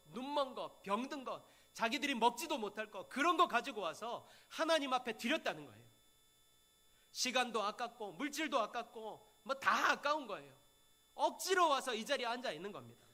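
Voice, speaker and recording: A Korean man preaches with a high, bright voice that swings widely in pitch. He repeats his key phrases to drive them home, in the emphatic rhythm of a Sunday sermon. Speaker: pastor.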